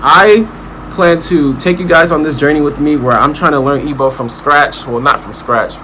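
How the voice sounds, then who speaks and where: An American man in his thirties talks casually to his viewers in a vlog monologue about learning languages, earnest and motivational, restarting often, first outdoors and then in a restaurant. His fairly high voice is bright and forceful at a moderate pace, on a low-quality recording with slight background noise.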